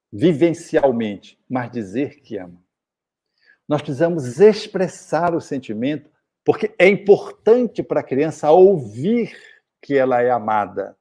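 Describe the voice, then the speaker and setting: A man's voice: mid-range voice, a little mellow. A middle-aged man from Brazil giving a spiritist lecture, telling anecdotes and acting out short bits of dialogue.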